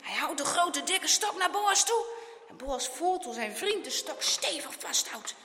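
Lively woman reading a children's story. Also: high voice, a little slow, a little hiss or hum. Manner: lively, expressive reading with many voices. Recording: echoey room with long reverb.

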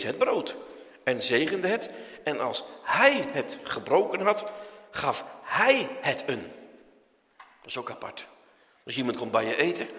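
A man preaches in a church, his bright, fairly high voice leaping up and dropping low as he acts out the people in his story. A long hall reverb trails after every phrase. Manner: animated, acts out voices of biblical figures, lively rises and drops. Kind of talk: sermon.

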